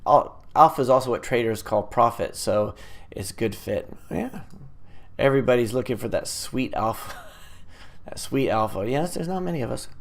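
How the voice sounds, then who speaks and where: A middle-aged man hosting a casual live stream, chatting loosely with many pauses and restarts. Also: medium pitch, animated, vocal fry. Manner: rambling and hesitant, many fillers and restarts. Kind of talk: casual live-stream chat, reading viewer comments.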